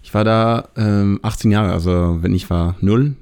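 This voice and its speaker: A young man from Israel with an Israeli accent, a musician guest speaking halting German with grammar slips. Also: on the low side, steady tone, darkish tone, clear, resonant tone. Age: young adult.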